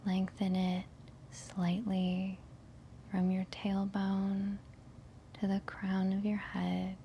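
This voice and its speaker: Woman, meditation guide. Hushed whisper, very even delivery, unhurried and soothing, faint ambient noise behind. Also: medium pitch. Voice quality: soft, breathy whisper. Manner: gentle, unhurried, soothing instruction with long pauses.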